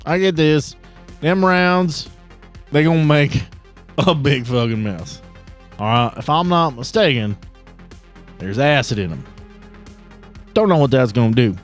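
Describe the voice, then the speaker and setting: A man's voice: mid-range voice, lively intonation, unhurried, pauses often, soft background music, close to an everyday voice. A man playing a folksy, crude and wary backwoods arms dealer with an American Southern drawl in a tabletop game. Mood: folksy, cautioning. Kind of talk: improvised tabletop role-play.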